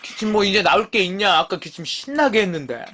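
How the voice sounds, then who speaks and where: A man in his thirties talks casually to his live stream audience, teasing and cursing as he argues with the chat. His voice sits high and swings widely between low mumbles and loud outbursts. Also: animated, a little fast. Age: 30s. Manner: swears freely, teasing and bickering with chat. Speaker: live-stream eating show host.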